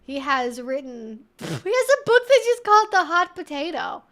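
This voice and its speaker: High-pitched, playful woman hosting a livestream. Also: sing-song, moderate pace, a bit bright. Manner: playful, wry, mock-serious; giggles often while talking. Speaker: livestream host. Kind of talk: casual livestream chat, answering viewers.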